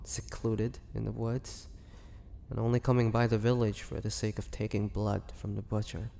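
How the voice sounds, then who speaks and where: Man playing a gravelly, brooding half-vampire in echoing hall. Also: fairly low pitch, warm tone. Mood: wistful. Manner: halting, brooding, confiding. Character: melancholy male half-vampire confiding his tragic past. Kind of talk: slow dramatic monologue, audio roleplay. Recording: long reverberant hall, faint noise.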